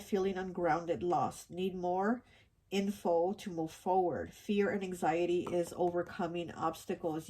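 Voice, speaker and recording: A woman's voice: lowish voice, dark tone, slightly rough. A woman giving a casual tarot card reading, rambling with many fillers and restarts, her voice stuffy and nasal from allergies. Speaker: tarot reader.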